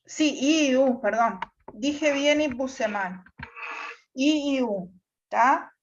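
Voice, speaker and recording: A woman teacher explaining spelling rules to her class, often checking in with a quick "tá?". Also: high voice, highs cut off, a little hiss or hum. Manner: checks understanding with frequent "¿tá?". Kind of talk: classroom lesson on Spanish accent rules.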